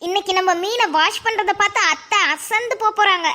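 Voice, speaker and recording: A woman's voice: very high voice, brisk, bright, forceful tone, soft background music. Woman voicing a naive young daughter-in-law. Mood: eager. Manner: naive, sweetly earnest, eager to please. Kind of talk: cartoon voice acting.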